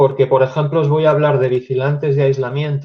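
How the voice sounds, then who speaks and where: A man speaks with a Spanish accent in a somewhat breathy voice. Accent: Spanish (Spain). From Spain, Barcelona (Catalonia). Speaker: company regional director, technical presenter. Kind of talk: webinar presentation. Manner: hesitant with fillers.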